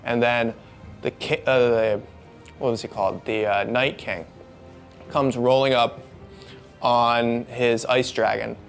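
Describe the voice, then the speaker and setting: A man in casual chat, talking in a dry, hesitant deadpan way. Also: mid-range voice. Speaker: comics commentator.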